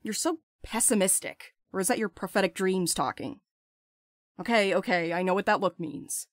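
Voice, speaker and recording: A woman's voice: mid-range voice, moderate pace, dry recording, clean studio sound, lightly acted. An actress playing a brash, impulsive young woman with crude, sarcastic banter in an audio drama. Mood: urgent. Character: brash, playful, impulsive young postal worker friend.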